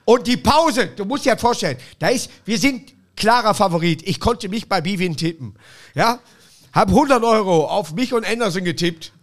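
A man with a high voice that climbs and swoops as he talks. He hosts a relaxed podcast chat and fires off joking stories with quick punchlines. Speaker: podcast host. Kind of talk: casual chat.

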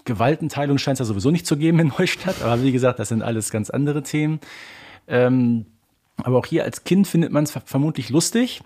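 Man co-hosting a casual podcast, middle pitch. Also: fairly quick, warm tone. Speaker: podcast co-host.

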